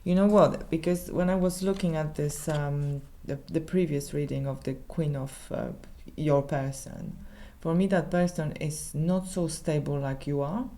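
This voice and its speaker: A woman with a Polish accent, a native Polish speaker, giving a casual tarot reading in halting English with many restarts. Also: low voice, fairly even intonation, mellow. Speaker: tarot reader.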